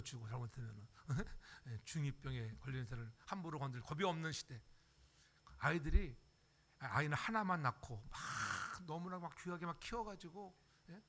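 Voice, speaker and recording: A man's voice: fairly high pitch, a bit bright. An older man preaching a sermon as pastor, acting out everyday voices and checking in with the congregation. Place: church sanctuary.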